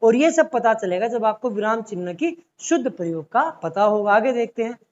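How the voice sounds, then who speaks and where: A man's voice: high-pitched, lively intonation, moderate pace, dull audio. A man teaching an exam-prep language class, explaining step by step and repeatedly calling his students "beta".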